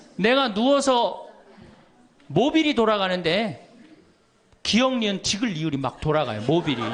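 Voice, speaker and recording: A man talks at a fairly slow pace in a high voice, his pitch swinging very widely. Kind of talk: lecture to a live audience.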